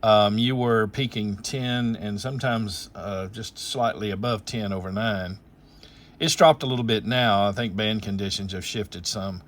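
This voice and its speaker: A man's voice: lowish voice, measured pace. A man hosting as an amateur radio operator, casually talking through technical details in a rambling, explanatory way, thinking aloud as he goes.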